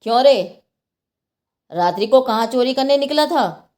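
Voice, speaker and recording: A woman's voice: on the high side, animated, unhurried, voice pushed up. Woman voicing a stern, commanding king. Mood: sharp questioning. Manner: commanding, sharp. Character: stern, shrewd but just king.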